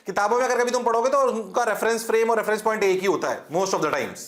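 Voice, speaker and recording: A fast-talking man from India, his voice sitting high, lectures on physics in a classroom full of echo. He asks his students question after question and supplies the answers himself, repeatedly making sure they understand while slipping English terms into Hindi speech.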